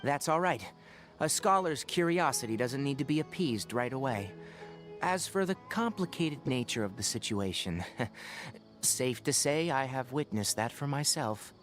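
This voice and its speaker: A man voicing a composed, articulate young scholar in a video game, with a measured, thoughtful manner. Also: mid-range voice, animated, fairly bright tone, faint music behind, lightly acted. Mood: thoughtful, trusting. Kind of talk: video game character acting.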